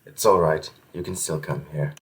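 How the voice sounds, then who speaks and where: A man playing a loyal, chivalrous nobleman in an audio drama, soft and husky, speaking with courteous, earnest, old-fashioned phrasing. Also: extremely low pitch, steady tone, moderate pace. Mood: gentle reassurance. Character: gentle, loyal, chivalrous nobleman, protective and solemn.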